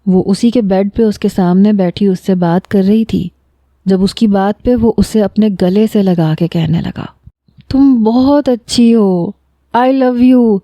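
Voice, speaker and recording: A woman narrating a romance novel in a steady, measured storytelling voice. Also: mid-range voice, no room sound.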